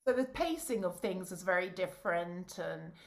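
A woman, an opera singer and voice coach, chatting in a bubbly, animated way and laughing often over a video call. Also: on the low side, normal speed, creaky. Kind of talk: casual chat.

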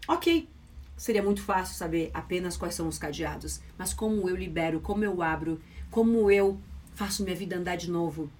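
A woman's voice: lowish voice, normal speed, darkish tone. A woman, a mental coach giving a motivational podcast lesson, emphatic and repetitive as she stresses key phrases.

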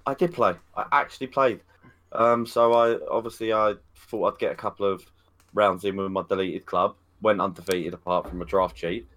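A man's voice: fairly low pitch, fairly even intonation, normal speed, a bit bright. A man co-hosting a casual video podcast, cheeky and boastful, laughing as he talks. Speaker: podcast co-host.

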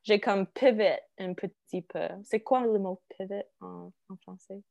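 Halting anglophone woman speaking accented French. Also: mid-range voice, vocal fry, a little mellow, faint music behind. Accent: English-speaking accent in French. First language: English. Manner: halting, searches for words in a second language. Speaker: interview guest. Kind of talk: casual chat, halting French mixed with English.

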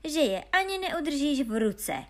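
A woman reading aloud and voicing a foolish, cheerful young peasant lad who boasts loudly. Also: high-pitched, big pitch swings, voice pushed up. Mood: boisterous. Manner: boastful, loud and carefree.

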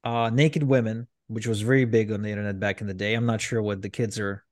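A man's voice: lowish voice, steady tone, fast talker, no room sound. Guy from ukraine, guest on a podcast, rambles, lots of um and restarts, dry close sound. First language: Russian. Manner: rambling, frequent restarts and fillers. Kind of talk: candid storytelling interview.

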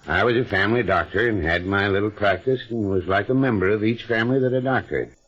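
A man's voice: on the low side, fast, a bit bright. A male actor in an old-time radio drama playing a genial but evasive retired country doctor, folksy, soothing and insistent. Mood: genial, reminiscing. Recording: muffled vintage radio recording with music behind.

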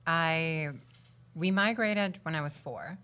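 A woman from Guam, a guest actress chatting casually in an interview, relaxed and quick to laugh. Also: deep voice, clear, resonant tone.

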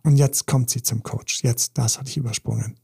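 Man, relationship coach, gravelly fry, mellow dark tone, emphatic and intense. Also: mid-range voice, steady tone, normal speed. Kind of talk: podcast monologue.

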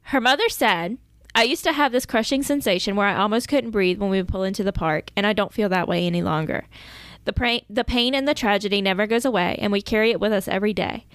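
A woman's voice: mid-range voice, quick pace, a bit bright, dry recording, clean studio sound. A woman co-hosting a true-crime podcast, reading out case details and chatting casually. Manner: reads case notes, breaks into laughter. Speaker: podcast co-host.

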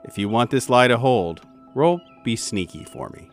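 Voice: mid-range voice, expressive, normal speed. A game master with a storyteller's delivery, giving dramatic narration for a tabletop horror game. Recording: prominent music under the voice. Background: music.

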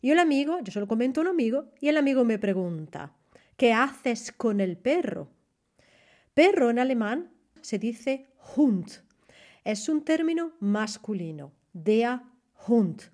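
A woman's voice: fairly high pitch, sing-song, normal speed, a little mellow. A woman teaching German in a podcast lesson, carefully modelling example phrases. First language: Spanish.

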